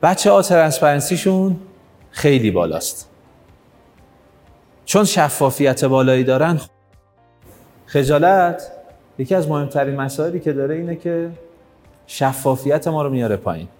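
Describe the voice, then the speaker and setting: A man's voice: a little high, lively intonation, pauses often, a little mellow, long reverb tail, faint music behind. A man leading a live workshop, talking directly to the audience and urging them on. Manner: direct, coaxing, urges the audience on. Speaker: workshop trainer. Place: hall with an audience.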